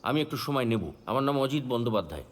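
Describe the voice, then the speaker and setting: An actor playing a calm investigator who questions suspects with pointed remarks. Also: male voice, medium pitch, fast, natural voice. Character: calm, probing investigator's friend. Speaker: detective's companion questioning suspects in a film. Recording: film scene with faint ambient noise.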